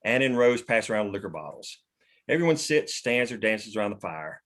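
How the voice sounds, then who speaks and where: A man with a fairly low voice narrates a screenplay at a table read. He reads out scene headings and action as scripted narration. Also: sing-song, moderate pace, a bit bright. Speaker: screen direction reader.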